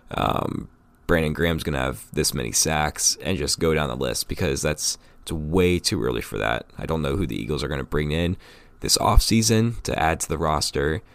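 Man, podcast host, very low voice, gravelly, raspy from a cold, rambling casual talk. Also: no room sound. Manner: casual, rambling, filler-heavy fan opinions. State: getting over a cold, slightly raspy. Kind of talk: solo sports podcast talk.

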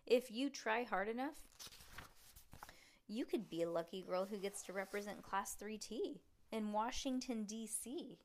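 A woman voicing a patient male grade-school teacher from a children's storybook, speaking in a measured, instructive way. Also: mid-range voice, slight background noise, close to an everyday voice. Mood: encouraging.

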